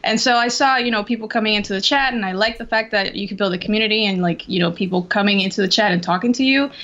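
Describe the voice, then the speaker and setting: A young woman from Costa Rica answers interview questions over a video call, rambling casually through lots of fillers and restarts. The sound is a little dull and lo-fi, as call audio often is. Her pitch sits in the middle for a woman. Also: fast, a bit bright. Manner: chatty, many fillers and restarts. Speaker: interview guest, Twitch drummer.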